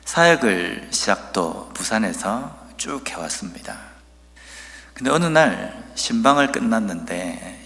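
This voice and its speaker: A man from Busan, South Korea, with a Busan accent, preaching a sermon as a pastor, telling stories earnestly and reading scripture slowly and emphatically. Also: fairly low pitch, gravelly, fairly bright tone, long reverb tail. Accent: Busan dialect.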